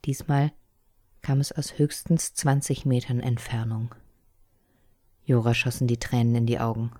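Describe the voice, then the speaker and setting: A woman narrating a children's storybook in a calm, expressive reading voice. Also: extremely low pitch, moderate pace, no echo, clean studio sound.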